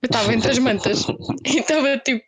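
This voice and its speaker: A young woman with a European Portuguese accent, casually telling friends a story in slangy, animated style with acted-out quotes. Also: on the high side, brisk, slightly rough, no room sound.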